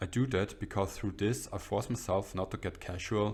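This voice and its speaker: A man with a non-native accent speaks at a moderate pace, his pitch fairly low and his intonation fairly even, with vocal fry. The recording is very clean, with a silent background. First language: not English. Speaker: history YouTuber. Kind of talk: scripted narration. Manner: formal.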